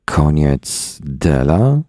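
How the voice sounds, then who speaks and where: A man's voice: a bass voice, big pitch swings, slow, vocal fry, no echo, clean studio sound, heavily acted. A man voicing a frightened, bewildered man who asks tense questions.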